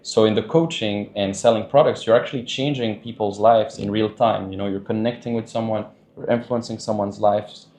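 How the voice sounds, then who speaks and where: A man talking casually as a podcast guest, loose and chatty, laughing often and filling pauses with "like" and "you know". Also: lowish voice, fairly even intonation, a little mellow, echoey room. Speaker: podcast guest, dating coach. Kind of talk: casual interview talk.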